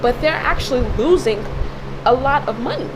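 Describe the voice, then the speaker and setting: Woman, fairly high voice, raspy and cracking, emphatic repetitive delivery, informal religious commentary, clearly noisy recording. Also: lively intonation, moderate pace. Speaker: video creator.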